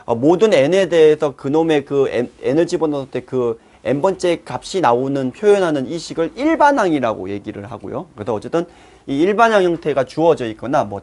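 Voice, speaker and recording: A male math teacher giving a lively lesson to fellow teachers, acting out his students' reactions. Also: mid-range voice. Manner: lively, acts out students' voices. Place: classroom.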